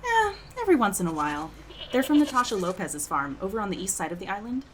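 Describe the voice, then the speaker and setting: A woman's voice: mid-range voice, very animated, fast, background noise, lightly acted. A woman playing a brash, friendly young townswoman in an audio drama, slangy and full of playful ribbing. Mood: casual, amused.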